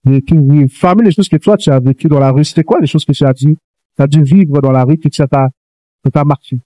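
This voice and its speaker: A Canadian-raised man hosts a Christian youth talk show, earnestly urging young listeners on and restarting his sentences often. His voice is fairly high and mellow, he talks fairly quickly, and the recording is dry.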